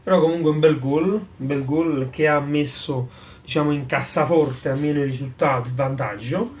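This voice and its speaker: A man with a Neapolitan accent giving casual football fan commentary for a vlog, in colloquial street slang, often halting and repeating words for emphasis. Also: on the high side, a little mellow, dull audio, a little hiss or hum. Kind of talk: casual post-match player ratings, fan commentary. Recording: clear music behind the voice. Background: music.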